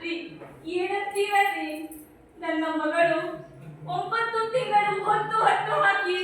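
A young woman acting as a poor mother who begs her husband, tearful and pleading, in a very high, bright voice. It rings out from far back in a booming hall. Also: measured pace, a little hiss or hum. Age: young adult. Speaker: college student actor. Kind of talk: stage drama acting. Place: college stage hall.

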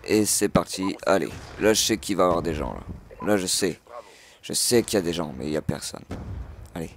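A man hosting a gaming channel, giving live commentary on his own match with frequent excited outbursts and swearing. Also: deep voice, fairly quick, vocal fry, slight background noise.

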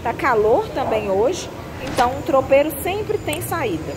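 A woman's voice: sits high, big pitch swings, a little slow, background noise. A Brazilian woman hosting a cooking channel, walking along a restaurant buffet and explaining the dishes in a chatty, instructive way, recorded on a handheld phone. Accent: Brazilian Portuguese. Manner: chatty and instructive, checking in with viewers. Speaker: restaurant owner's family and cooking channel host. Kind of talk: walkthrough vlog of a buffet. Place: indoor self-service restaurant buffet. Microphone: handheld phone while walking. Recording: restaurant ambience behind the voice.

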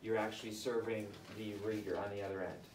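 A man coaching aspiring authors in front of a live audience, firing off quick advice and rhetorical questions. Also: fairly low pitch, a little hiss or hum. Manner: energetic, rapid-fire advice with rhetorical questions. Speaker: book coach. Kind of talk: live group coaching session. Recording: roomy, distant mic, faint ambience.

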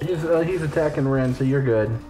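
A man's voice: medium pitch, a little fast, warm tone, low-quality recording. A man making casual remarks as co-commentator while someone plays a video game. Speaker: co-commentator on a let's play. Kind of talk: casual gameplay commentary chat. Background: video game music.

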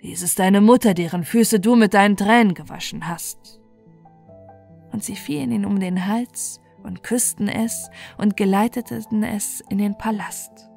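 A woman's voice: mid-range voice, gravelly, darkish tone. A woman storyteller reading a scripted fairy tale as bedtime narration. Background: music.

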